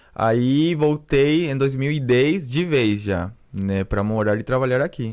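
A medium-pitched man speaks at a very slow pace with hardly any pauses. His pitch variation is ordinary. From Paraguay. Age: young. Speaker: makeup artist. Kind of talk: interview.

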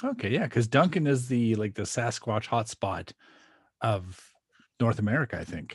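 A man's medium-pitched, somewhat breathy voice at a moderate pace, with ordinary pitch variation and a quiet background. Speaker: podcast host. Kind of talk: casual interview.

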